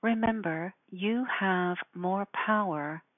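Slow, deliberate woman, phone-like sound. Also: lowish voice, no echo. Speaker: spiritual teacher guiding listeners. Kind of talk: instructional talk with guided meditation.

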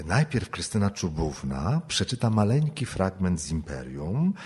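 A man hosts a ceremony and introduces the next guests with informal, slightly halting announcements. His voice is low but very animated, rising and falling widely. It has a husky, rough edge. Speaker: event host. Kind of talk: hosting a ceremony.

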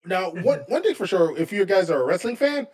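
A man in his late thirties whose voice sits high and swoops all over the place. He chats with friends in an excitable way and keeps throwing out wild ideas. His outbursts come often and loud. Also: brisk, noisy background. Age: 30s. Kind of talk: casual group chat.

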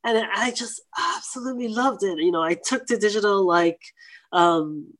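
Interview guest: woman, 40s, from New York, animated storyteller who mimics voices. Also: mid-range voice, normal speed. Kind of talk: conversational interview.

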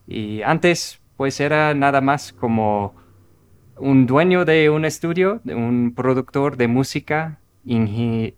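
Middle-aged man, American accent, unhurried and thoughtful, speaking slowly, smooth clear voice. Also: mid-range voice. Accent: American English. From Minnesota, United States. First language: English. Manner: unhurried, thoughtful, restarts words. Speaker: guest. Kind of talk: casual conversation.

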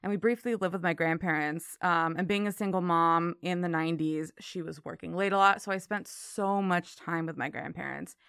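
A woman's voice: fairly low pitch, steady tone, normal speed, gravelly, few pauses, fairly bright tone, clean tone, dry recording, studio quality. A woman from Miami in her thirties with an American accent, telling her story casually as an interview guest. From Miami, Florida.

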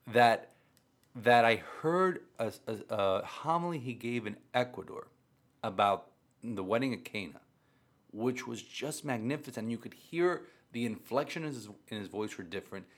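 A man's voice: mid-range voice, lively intonation, normal speed. A man who is a Catholic priest and grew up speaking Spanish, talking conversationally about faith and repeating phrases for emphasis. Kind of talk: conversational religious talk.

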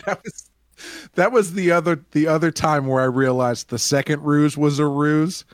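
A man co-hosting a podcast in casual chat, animated and jokey, slipping into quick character bits. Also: on the high side, no echo, studio quality. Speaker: podcast co-host.

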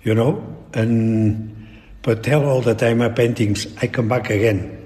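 A very old man with a Spanish accent, talking reflectively in an interview in halting, broken English with repeated words. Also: medium pitch, steady tone, darkish tone. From Spain. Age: elderly. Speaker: painter being interviewed. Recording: long echoing reverb in a hall.

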